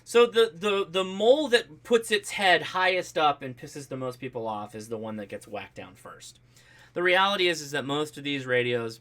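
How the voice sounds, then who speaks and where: Male livestream host, American, bright and punchy mid-range voice, animated and jokey, off-the-cuff delivery. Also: medium pitch. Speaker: host of a ham radio livestream. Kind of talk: casual livestream chat, reading and answering viewer comments.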